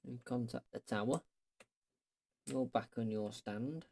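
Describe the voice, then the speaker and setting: A man with a relaxed, mellow voice at an average pitch. He commentates his own game casually, muttering his thoughts aloud in short, offhand remarks. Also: measured pace, gravelly. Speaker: streamer playing an air traffic control game.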